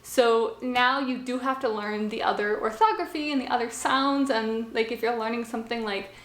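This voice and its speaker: Young woman vlogger, casual and chatty, slightly high voice, echoey small room. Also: fairly even intonation, moderate pace. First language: English. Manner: chatty, with frequent fillers and asides. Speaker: language-learning vlogger. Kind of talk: casual explanatory talk to camera. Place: small home office.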